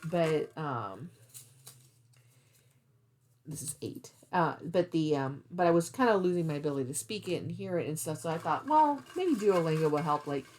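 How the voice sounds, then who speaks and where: A woman's voice: low voice, animated, normal speed, a little mellow. A woman hosting a craft vlog, chatting casually in a rambling way and thinking aloud as she goes. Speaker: cross-stitch vlog host. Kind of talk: casual rambling chat to camera.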